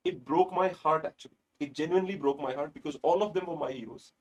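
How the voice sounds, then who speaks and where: A man's voice: fairly high pitch, quick pace, poor audio. A man hosting an interview, speaking earnestly and emotionally and sometimes searching for words. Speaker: podcast host. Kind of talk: casual interview conversation.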